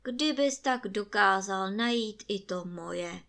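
A dignified, sorrowful fairy-tale king, as a woman reader puts him on, speaking slowly and solemnly. His voice sits a little lower than hers. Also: creaky, a bit bright.

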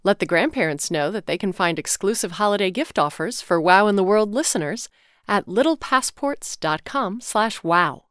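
A woman reading scripted sponsor messages in a clean, even way. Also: medium pitch, normal speed, clean tone, dry recording, clean studio sound. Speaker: sponsor announcer.

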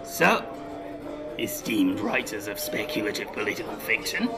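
An actor playing a scheming, pompous English writer turned dictator in a comedy audio drama, speaking articulately and persuasively. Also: male voice, lowish voice, very animated, normal speed, over loud music. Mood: grand, rousing.

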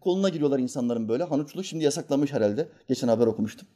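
Guy giving a sermon, mellow voice, calm and measured, does little voices for stories. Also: medium pitch. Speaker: preacher. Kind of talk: sermon with storytelling.

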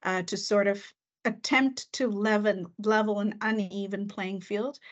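A woman school administrator telling her story in a panel discussion, reflective and unhurried with occasional fillers. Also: mid-range voice, fairly even intonation. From Canada. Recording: muffled, lo-fi audio.

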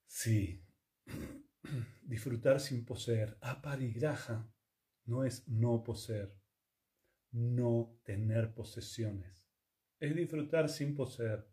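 A man, teaching yoga and conscious communication in a calm, reflective talk full of rhetorical questions. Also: mid-range voice, extremely slow, pauses often. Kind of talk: reflective spiritual talk to listeners.

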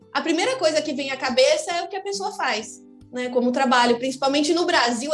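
A woman in her thirties from São Paulo with a Brazilian Portuguese accent, speaking as an interview guest in a reflective, frank, thinking-aloud way. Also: sits high. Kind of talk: candid conversational interview. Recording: echoey room.

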